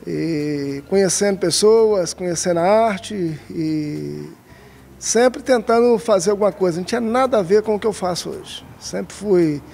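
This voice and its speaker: Speaking into the interviewer's handheld mic indoors at a craft shop, this guest, a woodcarver from Minas Gerais in Brazil, gives casual answers. He's hesitant, with lots of fillers and restarts, and his high, gravelly voice is a little mellow and moves at a measured pace.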